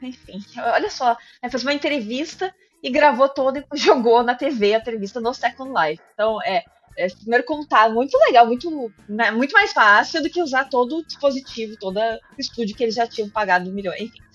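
Lively in intonation, a woman talks fairly quickly at a high pitch. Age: 30s. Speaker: gaming industry guest. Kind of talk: casual chat.

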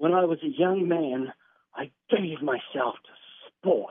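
This is a put-on character voice, shaky and raspy. It moves at a fairly slow pace. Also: man, high pitch for a man. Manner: grim, solemn.

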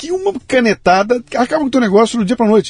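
This man's pitch sits extremely high and swings very widely, captured in a dry, close sound with no echo. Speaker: podcast host. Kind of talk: interview. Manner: animated, casual.

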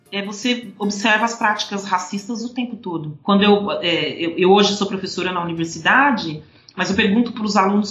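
Noticeable background noise and audible room echo around a woman of medium pitch, her intonation lively and her pace fairly quick. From São Paulo, east side periphery. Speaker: university professor of education. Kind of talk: interview.

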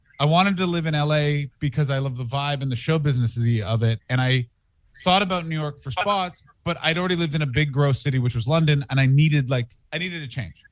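With a Canadian accent, a man talks at a very fast pace in a fairly high, somewhat breathy voice. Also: ordinary pitch variation. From Canada, Ottawa. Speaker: stand-up comedian. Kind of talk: casual chat.

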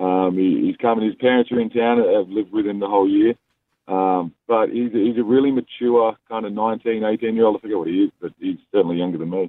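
Talking at a fairly quick pace, a man keeps his fairly low pitch on fairly even intonation. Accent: Australian. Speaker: professional basketball player. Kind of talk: interview. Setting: phone call.

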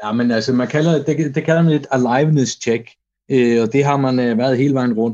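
Dark and mellow in tone, a man speaks at a moderate pace and medium pitch with very even loudness and fairly even intonation. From Faroe Islands. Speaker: space scientist. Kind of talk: interview. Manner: halting, many repetitions.

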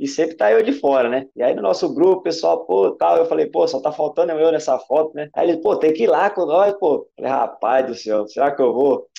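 A man at a fairly quick pace, with hardly any pauses. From Brazil, São Paulo state (São Paulo city and Araçatuba). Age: 30s. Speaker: professional football goalkeeper. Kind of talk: radio interview.

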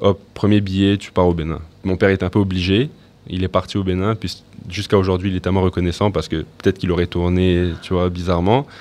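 Flat, monotone intonation marks this speech, which moves at a fairly quick pace. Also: man. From Lebanon. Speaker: podcast guest. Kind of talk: casual chat.

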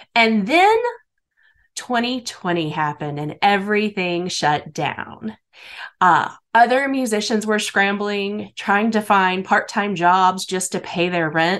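A woman talks at a very slow pace and medium pitch. Her pitch variation is ordinary, and the background is quiet. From United States. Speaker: music teacher and online business coach. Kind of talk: interview.

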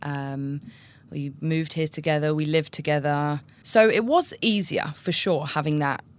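A woman speaks in a London accent. Her pitch is very deep and low, and her pace is moderate. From London, England. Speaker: sex blogger. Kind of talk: casual interview chat.

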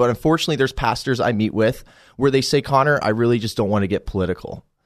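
A man with a plain, everyday voice and a General American accent, ordinary pitch variation and a quiet background. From Colorado. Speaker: faith-politics organization representative. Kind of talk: interview.

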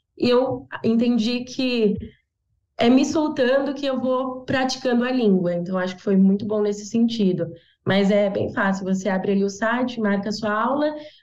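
With audible room echo, a woman speaks at a moderate pace and a fairly high pitch, using ordinary pitch variation. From Brazil. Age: 20s. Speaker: podcast voice, sponsored testimonial. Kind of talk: testimony.

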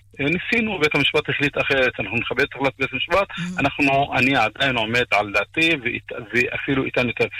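A man with an Arabic accent at a fairly quick pace, very even loudness and hardly any pauses. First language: Arabic (speaking Hebrew). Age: 50s. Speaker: mayor. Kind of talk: phone interview.

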